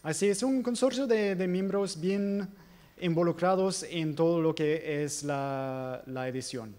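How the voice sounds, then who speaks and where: American man speaking Spanish haltingly. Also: a little high, a little mellow. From United States. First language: English. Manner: halting, frequent fillers and self-corrections. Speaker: conference speaker. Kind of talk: panel presentation. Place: conference hall.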